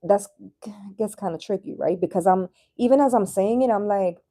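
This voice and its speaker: Mellow woman chatting casually on a livestream. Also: medium pitch, moderate pace. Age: 30s. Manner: slangy, chatty, with swearing. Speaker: tarot reader hosting a livestream. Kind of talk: casual live chat and tarot reading.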